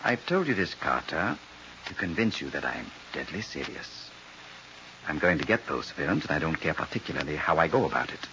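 An actor playing a cold, formal, soft-spoken murderous colonel in a 1940s radio crime drama, with an officer's precise manner. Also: male voice, rumbling low, sing-song, moderate pace. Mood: cold, threatening. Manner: formal, precise, coldly polite military officer. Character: soft-spoken, menacing male colonel, murderous gang boss. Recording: muffled, noisy old radio recording.

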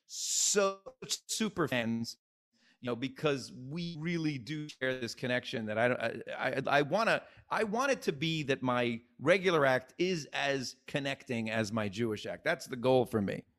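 Comedian guest in a relaxed podcast chat. Lively, keeps dropping into voices. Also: male voice, on the high side. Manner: animated, acts out quotes. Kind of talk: casual interview chat.

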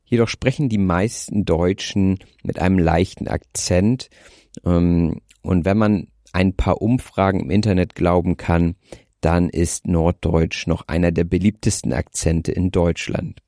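A man's voice: low-pitched, fairly even intonation, dark tone, dry recording, clean studio sound. A man in his twenties with a light north German accent, carefully reading a prepared script as a podcast host. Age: 20s. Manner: careful, deliberate delivery aiming for standard German. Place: in bed under a blanket. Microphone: handheld microphone.

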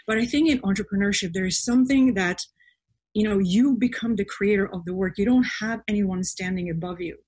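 A woman from Slovakia, speaking as a guest on a podcast. Her voice is slightly husky, and she talks earnestly, often doubling words as she searches for the next thought. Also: mid-range voice, brisk, a little mellow. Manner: earnest, repeats words while thinking. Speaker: guest, coach. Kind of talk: podcast interview.

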